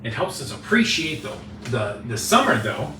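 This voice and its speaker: A man's voice: mid-range voice, sing-song, moderate pace. A man co-hosting a casual chat show, joking and rambling playfully. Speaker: co-host, real estate agent. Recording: echoey room, mic at a distance, faint hiss.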